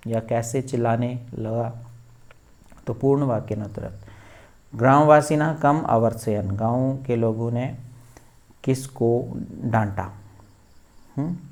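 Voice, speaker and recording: A male teacher explains a textbook lesson line by line. He speaks slowly and deliberately, at a medium pitch, stopping to spell out word meanings. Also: darkish tone.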